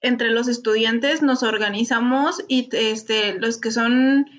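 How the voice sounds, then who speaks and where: A woman's voice: fairly high pitch, slow pace. A woman guest chatting casually on a podcast, with easy fillers. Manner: relaxed, fillers. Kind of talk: casual chat. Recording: dull lo-fi audio.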